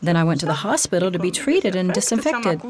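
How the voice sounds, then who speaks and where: A woman is speaking, and noticeable background noise can be heard. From Slovenia, rural mountain farm. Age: 60s. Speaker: interviewee recounting life under communism. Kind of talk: testimony.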